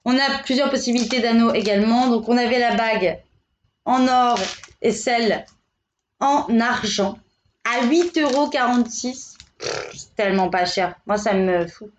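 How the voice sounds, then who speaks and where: A woman's voice: a little high, a little slow, slight background noise. A woman selling jewelry on a live shopping stream, chatty and joking as she pushes viewers to buy. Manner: chatty, joking, pushy salesy banter. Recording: echoey room, dull lo-fi sound.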